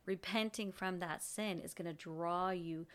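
Low-voiced woman sharing Christian encouragement. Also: steady tone, a little slow. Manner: warm encouragement, repeated words as she builds her points. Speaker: Christian teaching show co-host. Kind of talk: conversational Bible teaching.

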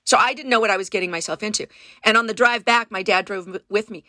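Earnest woman with a bright voice, telling her story. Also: mid-range voice, fast, no echo, studio quality. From California. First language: Spanish. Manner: earnest, with many restarts. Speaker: guest. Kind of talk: reflective interview conversation.

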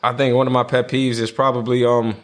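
A man's voice: mid-range voice, level tone, fairly quick. A man from Brooklyn, a guest in a casual interview, laid-back and often trailing off with "you know". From Brooklyn, New York.

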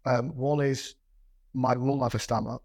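Unhurried and darkish in tone, this middle-aged executive's medium-pitched voice keeps a fairly even intonation while a stammer makes him repeat sounds and words. He answers plainly in a reflective, conversational interview, telling anecdotes. The recording is studio quality with no echo.

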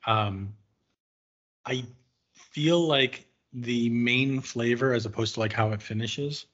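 A man's voice: mid-range voice, slow, a bit bright, highs cut off. A man hosting a casual whiskey tasting, thoughtful and searching for words, with frequent fillers.

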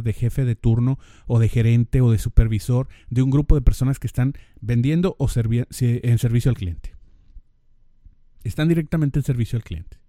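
Northern mexican guy hosting a podcast, super mellow dark voice, dry close sound, chats right at you. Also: mid-range voice, no echo. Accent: northern Mexican Spanish. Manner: conversational, addresses listener directly, acts out little dialogues. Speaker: podcast host. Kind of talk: casual podcast monologue.

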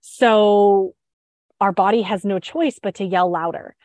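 A woman's voice: mid-range voice, measured pace, a little mellow, no echo, clean studio sound. Upbeat, stuffed-up woman podcast host. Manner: upbeat, chatty, with fillers and restarts. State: stuffed up with a head cold. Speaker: podcast host and sugar freedom coach. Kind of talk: casual live-stream talk.

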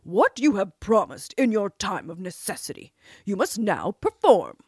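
A woman's voice: mid-range voice, wildly swooping pitch, a little slow, darkish tone, husky, no echo, clean studio sound, heavily acted. A woman reading a storybook, voicing a stern older king who speaks firmly to his daughter. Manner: firm, commanding. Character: stern old king, firm father.

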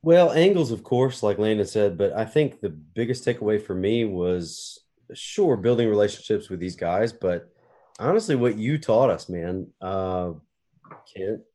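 A man's voice: on the low side, animated, unhurried, warm tone. A man guesting on a casual podcast chat, earnestly reflecting on his training.

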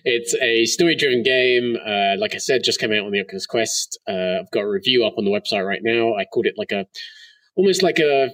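Guy co-hosting a podcast, sounds like he's talking through a tin can, kinda far off, lowish voice, says like a lot. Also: animated, a little fast, fairly bright tone, dry recording. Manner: chatty, many "like" fillers. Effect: muffled tin-can sounding mic. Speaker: co-host. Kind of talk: casual podcast chat. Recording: muffled distant mic.

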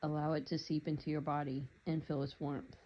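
Guided meditation voice, calm, unhurried, even pitch, dull lo-fi sound. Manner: calm, unhurried, gently instructive.

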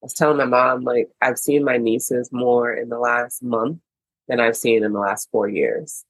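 A woman's voice: a bass voice, steady tone, normal speed, dry recording, rough recording. An American woman co-hosting a casual podcast chat, chatty and playful. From United States. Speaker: podcast co-host.

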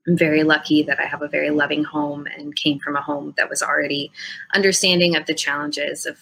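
A woman's voice: sits low, level tone, fairly quick, vocal fry, fairly bright tone, husky, low-quality recording. A woman in her thirties from Ohio, a podcast guest answering questions in a candid, reflective way with many fillers. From Ohio, United States. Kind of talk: interview answers.

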